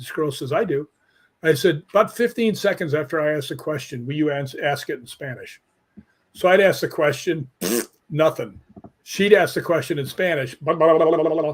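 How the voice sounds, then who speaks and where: Animated and at a moderate pace, a man with an American accent speaks in a fairly high pitch with ordinary pitch variation and big swings in loudness. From United States. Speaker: actor and stuntman, paranormal investigator. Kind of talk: casual chat. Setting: live video call show. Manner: animated storytelling.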